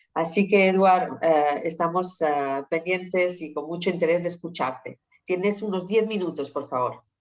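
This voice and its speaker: With an unremarkable speaking voice and fairly low pitch, a woman speaks at a fairly slow pace with ordinary pitch variation and hardly any pauses. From Catalonia, Spain. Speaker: conference moderator. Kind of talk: moderating introduction.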